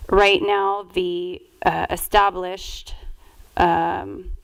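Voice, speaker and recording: A woman speaking as a council member in a meeting, explaining things in a deliberate, halting way. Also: lowish voice, little pitch movement, gravelly, low-quality recording. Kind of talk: council discussion.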